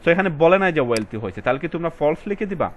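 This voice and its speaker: Tutor reading English words slowly. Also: male voice, on the high side, animated, a little hiss or hum. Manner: switches between Bengali and English, reads passage lines slowly and stresses words; addresses students directly, casual colloquial. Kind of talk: recorded exam-prep lesson.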